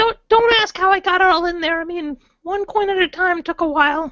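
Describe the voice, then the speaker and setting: A man puts on a squeaky character voice at an extremely high pitch, moving at a fairly quick pace. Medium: actual play. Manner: hesitant, stammering, wheedling.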